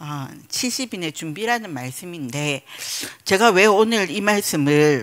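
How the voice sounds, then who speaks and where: A woman's pitch swings very widely while she talks at a fairly slow pace. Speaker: preacher. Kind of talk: sermon. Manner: halting, many fillers.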